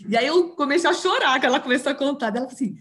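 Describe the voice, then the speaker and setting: A woman's voice: high-pitched, lively intonation, very fast, a bit bright. A woman with a Brazilian Portuguese accent giving an informal teaching talk on family systems, often tagging her sentences with little questions. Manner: chatty, tags sentences with questions; acts out dialogue in raised voice.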